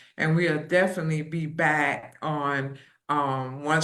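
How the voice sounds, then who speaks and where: A woman speaks with a very deep, low pitch in a monotone, flat intonation. Audible room echo surrounds her voice. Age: 60s. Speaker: pastor and grief ministry host. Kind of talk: casual interview.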